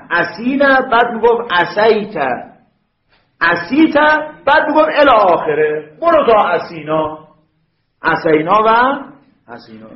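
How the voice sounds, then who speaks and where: High-voiced male teacher in an echoey room. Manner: lively, checks understanding with rhetorical questions. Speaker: Arabic grammar teacher. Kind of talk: classroom lecture. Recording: echoey, dull lo-fi room recording.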